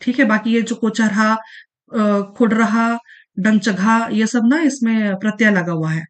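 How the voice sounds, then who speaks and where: A woman teaching an exam-prep grammar lesson in a casual way, repeating key points and often pausing on fillers. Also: on the high side. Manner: repeats points, frequent fillers and "ठीक है, याद रखिएगा".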